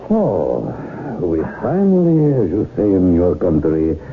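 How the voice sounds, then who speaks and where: A suave foreign kidnapper on AM radio. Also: male voice, low-pitched, huge pitch swings, slow, full character voice. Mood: coolly menacing. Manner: smooth, mocking, coldly polite. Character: suave menacing male foreign kidnapper boss. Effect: AM radio sound. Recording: tinny AM radio broadcast, faint hiss.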